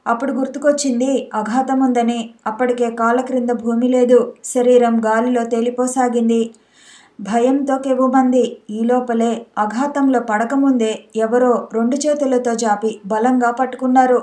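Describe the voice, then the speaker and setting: Mellow woman narrating a story. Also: a little high, fairly even intonation, moderate pace. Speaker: audiobook narrator.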